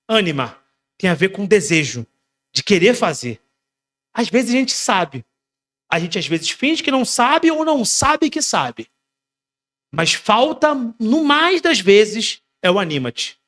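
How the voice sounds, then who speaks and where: A man preaches a sermon. He drives his points home with repeated exhortations. His delivery swings between quiet, low passages and loud, raised ones. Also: very animated, measured pace. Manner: repetitive exhortations. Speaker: pastor.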